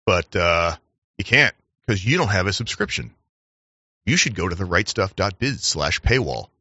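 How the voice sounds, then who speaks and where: A man's voice: sits low, sing-song, moderate pace, sharp tone, husky, no echo. A man delivering a mock-casual, taunting subscription plug as an announcer. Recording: dull, dry voice recording.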